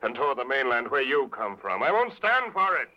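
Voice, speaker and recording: An actor playing a huge, possessive, unhinged island guardian in an old radio drama, slow and soft-spoken but intense. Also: male voice, mid-range voice, very animated, lightly acted. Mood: bitter fervor. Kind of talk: 1940s radio detective acting. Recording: muffled old radio recording.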